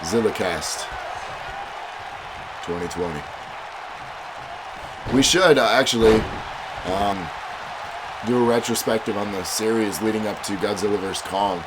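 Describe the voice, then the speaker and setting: Male stream host with a lowish, stuffy cold voice, chatty commentary over loud crowd noise. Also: a little slow, long pauses. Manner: chatty, reads donations and chat aloud. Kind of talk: casual stream chat with match commentary. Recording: loud music and crowd behind. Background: loud game music and crowd noise.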